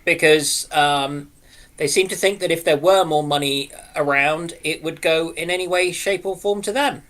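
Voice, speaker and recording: A man's voice: on the high side, moderate pace, a bit bright. A man joining a live chat late, joking in a dry, wry way. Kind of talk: casual chat.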